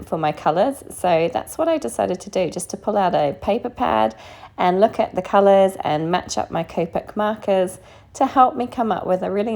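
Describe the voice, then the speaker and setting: A woman with a croaky, under-the-weather voice narrates a casual craft tutorial in a chatty, slightly tentative manner. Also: medium pitch, a little mellow. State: croaky voice from being sick.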